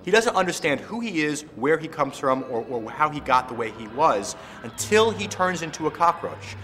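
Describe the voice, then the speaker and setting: A game co-creator, a man, telling lively anecdotes in a documentary interview, with many "you know" fillers. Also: on the high side, normal speed, slight background noise. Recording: reverberant room with music underneath.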